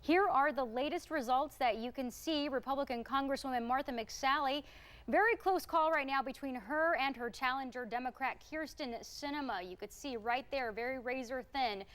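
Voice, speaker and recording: A woman's voice: high voice, moderate pace, a bit bright. An American woman presenting as a television news anchor in a polished style.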